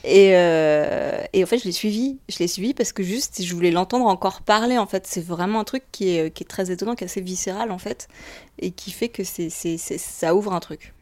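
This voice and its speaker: A woman's voice: fairly low pitch, normal speed, a little mellow, no echo. A woman telling a personal anecdote in an interview, enthusiastic, with frequent fillers. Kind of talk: personal testimony.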